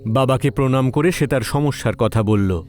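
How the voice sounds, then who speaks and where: A man's voice: medium pitch, normal speed, a little mellow, faint music behind. A man narrating a scripted horror story in a dramatic storytelling style.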